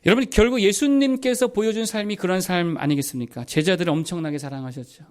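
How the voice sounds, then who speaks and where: A male pastor preaching a sermon, asking rhetorical questions and answering them himself, building to emphatic peaks. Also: sits high. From South Korea.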